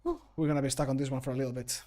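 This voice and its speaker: A man's voice: medium pitch, steady tone, very fast, mellow. A man in his thirties chatting casually and jokily on a livestream while recording voice lines at home. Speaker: streamer recording mod voice lines. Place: small home room.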